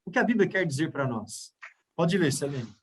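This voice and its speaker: Brazilian guy leading a bible class, pretty high voice, keeps checking everyone's following. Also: very animated, normal speed, slight background noise. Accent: Brazilian Portuguese. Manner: explains step by step, checks in with listeners often. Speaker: Bible study teacher. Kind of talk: Bible study lesson.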